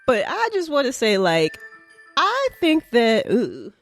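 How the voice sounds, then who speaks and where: A woman's voice: on the high side, wildly swooping pitch, slow, soft background music. A woman co-hosting a podcast in casual, conversational banter. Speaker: podcast co-host.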